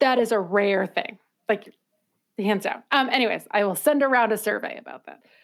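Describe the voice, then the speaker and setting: It is a plain, everyday voice at a moderate pace. Pitch varies in an ordinary way, while loudness swings widely. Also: woman, fairly high pitch for a woman. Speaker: podcast host. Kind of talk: casual interview chat.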